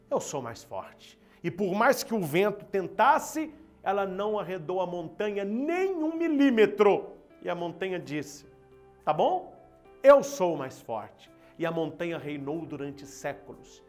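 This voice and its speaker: A man with a Brazilian Portuguese accent, a Catholic priest giving an Easter sermon, telling a parable slowly and with emphatic, dramatic delivery. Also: a little high. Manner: slow, dramatic, emphatic storytelling.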